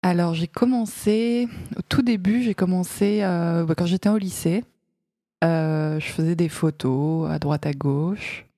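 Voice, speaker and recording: A young woman from France talks casually as an interview guest, her voice low and mellow. She hesitates often, filling gaps and restarting sentences. The sound is dry and close, with no room around it. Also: unhurried, no room sound. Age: 20s. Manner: hesitant, many fillers and restarts. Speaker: guest, fashion model.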